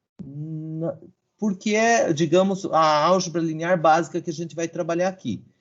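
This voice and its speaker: Here a man talks in a normal speaking voice with a fairly high pitch. His pace is fairly slow. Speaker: math teacher. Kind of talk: lecture.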